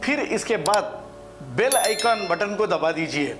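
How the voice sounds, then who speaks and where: A man's voice: high voice, animated, unhurried, music in the background. A man presenting a news report in a scripted style. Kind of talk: scripted news introduction and appeal to viewers.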